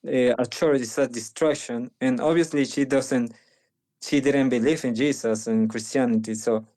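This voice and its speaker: A young man from Panama whose first language is an indigenous one, speaking in a halting interview, with many fillers and restarts. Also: medium pitch, steady tone, mellow. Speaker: guest, medical missionary. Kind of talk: conversational interview.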